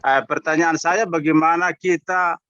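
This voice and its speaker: A man's voice: a little high, level tone, moderate pace, a bit bright, no room sound. A man calls in over a phone connection that keeps breaking up, so his words come through in choppy, cutting-out fragments. His voice sounds dull and close, with no room around it. He talks hesitantly and keeps searching for his words. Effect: phone line breaking up, voice cutting out. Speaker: caller. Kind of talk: call-in question to a radio Bible program.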